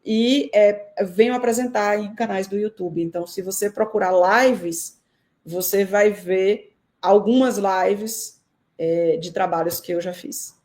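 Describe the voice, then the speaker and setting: Woman, Northeastern Brazilian accent, mellow dark voice, mid pitch, measured and hesitant, interview guest over a video call. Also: steady tone. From Salvador, Brazil. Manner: thoughtful, measured, with many hesitations. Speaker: guest researcher. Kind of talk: live-stream interview answers.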